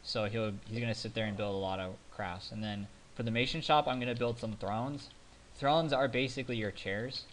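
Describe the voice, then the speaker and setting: A man's voice: on the low side, steady tone, moderate pace, fairly bright tone, slight background noise. A man from the United States hosting a game let's play, joking and rambling. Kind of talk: casual gameplay commentary. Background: keyboard clicking.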